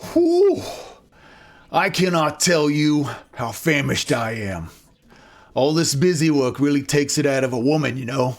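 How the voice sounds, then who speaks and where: The voice is a put-on character voice at a low-to-middle pitch. Long, frequent pauses break up the speech. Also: moderate pace. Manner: greedy, gleeful.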